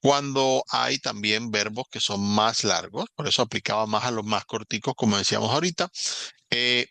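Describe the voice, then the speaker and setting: A man's voice: on the low side, moderate pace, gravelly, sharp tone, no echo. A man teaching English grammar in a recorded lesson, explaining patiently, repeating example words and checking in with his students.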